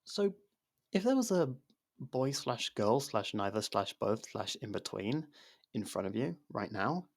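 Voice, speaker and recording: A man's voice: medium pitch, creaky, heavily acted. A man acting a nervous, awkward, secretly obsessive young lover in an intimate ASMR roleplay, stammering and backtracking as he talks. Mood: awkward, probing. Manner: stammering, hesitant, self-conscious, backtracking. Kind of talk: ASMR roleplay, intimate one-sided dialogue.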